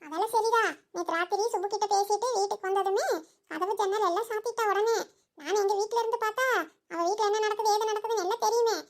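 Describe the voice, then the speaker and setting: A woman's voice: extremely high pitch, steady tone, fast talker. A woman voicing a nosy, insistent village gossip in a cartoon, talking breathlessly with chuckling asides. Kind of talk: cartoon voice acting.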